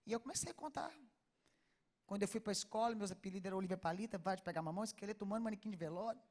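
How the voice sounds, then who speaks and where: A Brazilian woman preaching with a mid-pitched voice. She tells a story dramatically and acts out every line of dialogue. Her voice drops to a hush and then rises to near shouting. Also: rapid-fire. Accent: Brazilian Portuguese. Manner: dramatic storytelling, acting out dialogue, swings from hushed to loud. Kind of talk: sermon storytelling.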